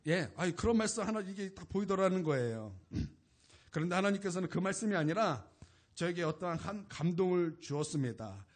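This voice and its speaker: A man with a high-pitched voice preaches a Sunday sermon as pastor. He drives his points home with repeated phrases and exhortations that rise in force. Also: animated, fairly quick. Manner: preaching with emphatic repetition and rising exhortations.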